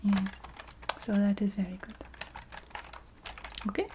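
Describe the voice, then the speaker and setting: Woman as a slow, whispery vampire receptionist, Eastern European accent. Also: mid-range voice, flat delivery, noisy background, close to an everyday voice. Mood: matter-of-fact, approving. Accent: put-on Eastern European. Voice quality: soft, breathy half-whisper. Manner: halting, formal phrasing with small hesitant hums. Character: courteous, matter-of-fact female vampire staffing agency receptionist. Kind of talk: soft-spoken ASMR roleplay.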